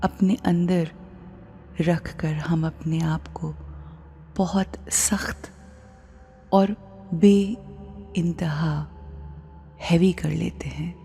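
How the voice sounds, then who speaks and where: Very slow, low-voiced South Asian woman meditation guide. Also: steady tone, vocal fry. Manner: soothing, hushed, with long pauses. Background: faint music.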